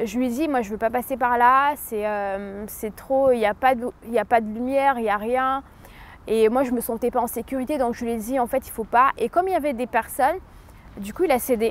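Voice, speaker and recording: Here a woman speaks with a high pitch and ordinary pitch variation. Her pace is fairly quick. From Cameroon. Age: 20s. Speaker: testimony speaker. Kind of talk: testimony. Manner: halting, many hesitations.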